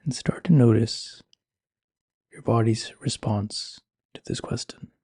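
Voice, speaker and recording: A man speaking slowly and gently with long pauses, guiding a meditation in a soft, breathy voice. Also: medium pitch, no room sound, clean studio sound. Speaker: meditation guide. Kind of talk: guided meditation.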